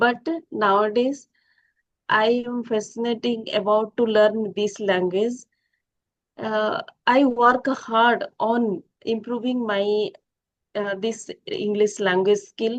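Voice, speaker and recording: A woman with an Odia accent speaks at a very slow pace, leaving long, frequent pauses. Her pitch varies in an ordinary way. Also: fairly high pitch for a woman. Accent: Odia-accented Indian English. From India, Odisha. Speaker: English learner, homemaker. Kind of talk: casual conversation practice chat. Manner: halting, hesitant.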